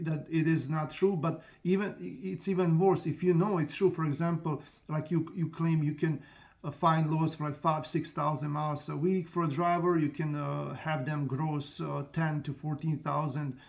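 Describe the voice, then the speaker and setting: This channel host, who owns a trucking company, chats straight to the camera in an easygoing vlog, his voice slightly higher than the typical man's yet darkish in tone. Restarts and "uh" fillers pepper his rambling delivery. He sounds plain-spoken and casual, walking through his own business.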